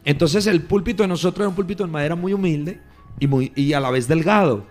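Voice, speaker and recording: A man, a pastor giving a fervent testimony in a radio interview, often growing loud. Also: fairly high pitch, quick pace, faint music behind. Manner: emphatic, grows loud when retelling. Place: radio studio.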